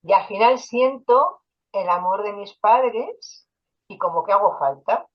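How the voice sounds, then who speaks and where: A woman's voice: medium pitch, lively intonation, unhurried, lo-fi sound. A woman, an interview guest and hypnotherapist, telling personal stories in a casual way and quoting dialogue along the way. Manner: personal storytelling with quoted dialogue and fillers.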